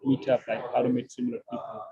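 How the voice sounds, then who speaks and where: A man's voice: mid-range voice, little pitch movement, quick pace, vocal fry, a crowd in the background. A man from Nepal with a South Asian accent, chatting casually on a slightly dull, lo-fi recording. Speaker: meetup attendee working at a hedge fund. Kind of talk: casual chat.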